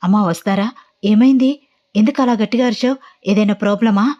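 A woman's voice: medium pitch, a little fast, warm tone, muffled recording, lightly acted. A woman voicing a stern but caring female university professor who scolds and asks urgent questions, in a read-aloud story. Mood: alarmed, scolding.

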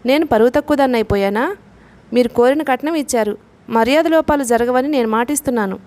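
A young bride in a storybook , voiced by a woman reader. She pleads gently and keeps her temper in check. The voice is fairly high. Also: quick pace, lightly acted. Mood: pleading. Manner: soft, restrained pleading.

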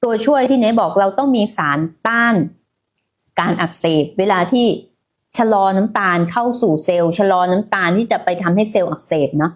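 A woman's voice: medium pitch, expressive, moderate pace. A woman hosting a casual health livestream, talking in a chatty way and speaking straight to her viewers. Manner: chatty, many fillers, addresses viewers directly.

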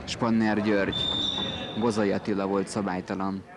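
A man's voice: fairly low pitch, little pitch movement. A man giving live match commentary on indoor football, terse and calling out players' names play by play. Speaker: sports commentator. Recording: noisy gym recording, ball bounces behind. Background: indoor sports hall with bouncing ball.

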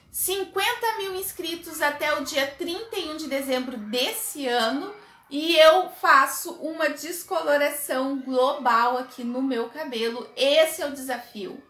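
A beauty vlogger with a high-pitched voice reviews a product, talking animatedly to the camera and gesturing a lot. She sits at a makeup table in a small indoor room, and the camera, at desk distance, picks up an echoey sound.

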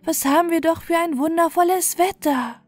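A woman's voice: extremely high pitch, moderate pace, pitched above the performer's own voice. A woman voicing a gleeful, hooting owl in a fairy tale, with music behind. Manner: hooting, delighted. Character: big-eyed owls, gleefully hooting in the cold. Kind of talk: fairy tale storybook reading.

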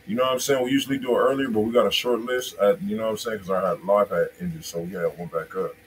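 Low-voiced American man livestreaming, noisy background. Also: fast talker. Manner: slangy, conversational, addressing viewers directly. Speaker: music review livestream host. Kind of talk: casual livestream chat. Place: indoors, small room. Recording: noisy livestream room sound.

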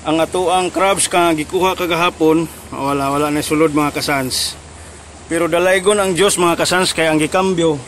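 A man's voice: a little high, fairly even intonation, normal speed, fairly bright tone, slight background noise. A man, talking casually to his viewers through a cloth mask outdoors by the shore and thanking God often. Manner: repeatedly addresses viewers, thankful and devout. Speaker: vlogger. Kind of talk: casual vlog talk.

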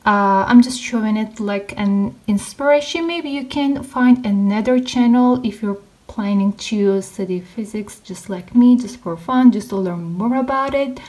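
A young woman whose first language is Turkish, speaking English in a relaxed, casual vlog voice-over. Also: medium pitch, a little slow, few pauses, rough recording. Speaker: vlogger.

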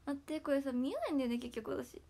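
A young woman with a Hakata dialect, chatting casually on her livestream from home and thanking viewers, often slipping into soft whispery asides. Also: sits high, lively intonation, fast. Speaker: idol livestream host. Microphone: tablet built-in mic.

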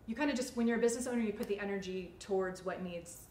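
A woman in her forties who runs a salon speaks very fast in a medium-pitched, darkish voice, chatting casually while she teaches a demonstration. It's recorded indoors in an echoey white-backdrop studio with faint ambient noise.

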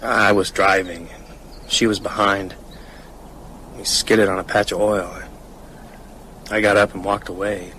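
A brooding, restless man in a radio drama. His voice is low and understated, with a reserved manner. Faint noise sits behind him. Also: flat delivery, a little slow, long pauses, pushed and bright. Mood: subdued grief. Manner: hesitant, understated.

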